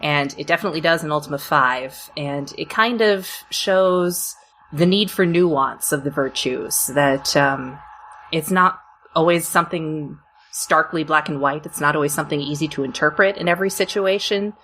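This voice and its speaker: Low-pitched woman, slightly noisy podcast. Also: normal speed, fairly bright tone. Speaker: podcast panelist. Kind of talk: casual discussion.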